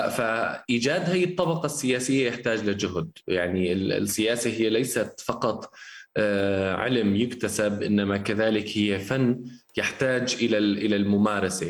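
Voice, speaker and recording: Speaking fairly slowly in a plain, everyday voice, the man keeps a medium pitch, very even loudness and ordinary pitch variation. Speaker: NGO executive director. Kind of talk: radio interview.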